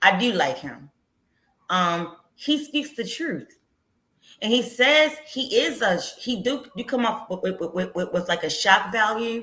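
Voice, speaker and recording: With a Baltimore accent, a woman talks at a fairly slow pace with long, frequent pauses, her fairly high, bright, sharp voice making very wide pitch swings. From Baltimore, US. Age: 40s. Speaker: caller. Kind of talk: casual chat.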